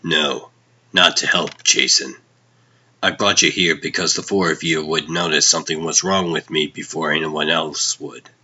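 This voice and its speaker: A man voicing a corrupted, sinister vigilante villain who speaks slowly and menacingly in a comic dub. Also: rumbling low, steady tone, bright, forceful tone, husky, muffled recording, voice pushed down, exaggerated voice. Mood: cold, brooding. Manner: slow, menacing, deliberate delivery. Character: corrupted dark Batman, sinister, calmly gloating male villain.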